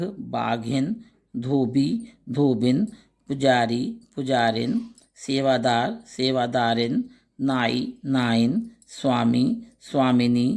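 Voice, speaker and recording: A man teaching a grammar lesson, slowly reciting pairs of words one by one and adding short explanations. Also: mid-range voice, vocal fry. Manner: slow, deliberate recitation of word lists with brief explanations.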